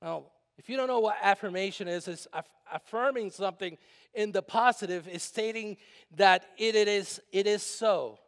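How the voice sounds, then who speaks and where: A male pastor preaching a sermon in a church, emphatic and call-and-response, building up to shouts. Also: sits high, normal speed. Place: church sanctuary. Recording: long hall reverb in a church.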